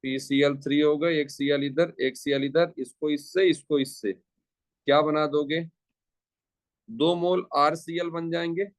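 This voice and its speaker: Guy teaching chem class, kinda high voice, dry close sound, keeps repeating himself and asking "what'll form". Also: fairly even intonation, slow, pauses often, no echo. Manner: repeats phrases and asks rhetorical questions; talks students through the steps directly. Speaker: chemistry teacher. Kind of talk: classroom lecture.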